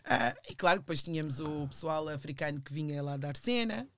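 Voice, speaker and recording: A woman's voice: low voice, lively intonation, brisk, a crowd in the background. A woman in her forties with a European Portuguese accent, chatting as a podcast guest over a remote call, laughing often and slipping into English phrases. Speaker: guest, teacher. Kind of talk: casual interview chat. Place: home in London. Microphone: remote call microphone.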